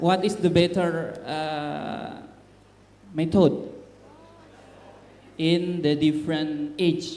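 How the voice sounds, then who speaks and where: In an Indonesian accent, a man talks at a fairly high pitch with ordinary pitch variation, and the room echo is audible. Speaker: teacher asking a question. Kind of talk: conference Q&A question. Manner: halting.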